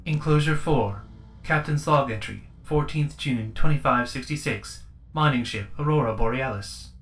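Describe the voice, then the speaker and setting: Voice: mid-range voice, normal speed, faint music behind, lightly acted. A performer playing a formal, impersonal announcer who reads out spaceship log headings in a clipped way for a sci-fi audio drama. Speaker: announcer of enclosed log files.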